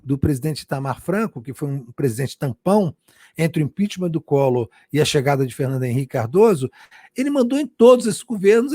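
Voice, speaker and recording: Man, high voice, dry sound, passionate, repeats himself. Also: warm tone, dry recording. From Brazil. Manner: passionate, many restarts and repeated words. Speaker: journalist guest. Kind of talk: interview answer.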